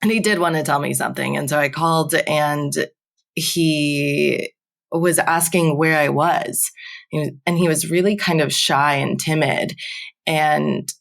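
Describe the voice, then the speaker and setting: A woman's voice: low voice, fairly even intonation, measured pace, vocal fry. A woman in her twenties, a podcast guest telling a personal story in a conversational way, often saying "like" and "um". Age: 20s.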